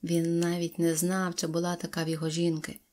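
A woman's voice: lowish voice, completely flat delivery, fairly quick, a little mellow. A woman narrating an audiobook tale expressively, dropping to whispers at tense moments. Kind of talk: storybook narration.

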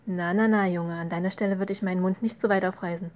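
A woman's voice: medium pitch, fairly even intonation, moderate pace, dark tone, slight background noise, natural voice. Sneering middle-aged thug, read by a woman. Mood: menacing. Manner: sneering, threatening. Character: menacing middle-aged gang leader, sneering.

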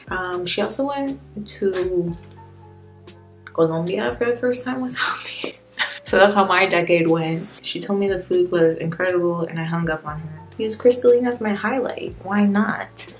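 A woman's voice: on the low side, measured pace, soft background music, low-quality recording. A woman in her twenties doing a casual makeup tutorial in a small room, talking candidly with wry, rambling self-mockery. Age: 20s. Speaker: beauty vlogger. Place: small indoor room with plain wall.

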